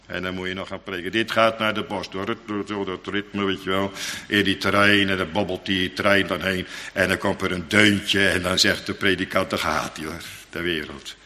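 A man preaching a sermon in a dramatic, emphatic style, with sudden loud outbursts. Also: deep voice, steady tone, normal speed, big-room sound.

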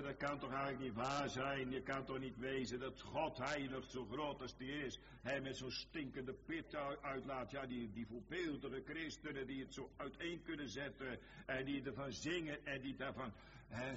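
A man's voice: moderate pace, slight background noise. Fervent male preacher in a reverberant hall. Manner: excitable, jumping between high fervent bursts and low tones, tag words and restarts. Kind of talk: fervent sermon. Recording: reverberant hall, dull lo-fi sound.

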